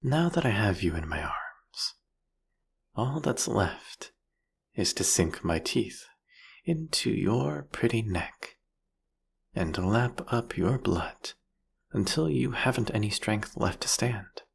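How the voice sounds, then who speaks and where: A man's voice: expressive, slow pace, heavily acted. A man playing a seductive, possessive vampire king in an intimate audio roleplay, with a taunting, menacing, whispery delivery. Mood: seductive threat. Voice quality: husky, breathy, gravelly low voice.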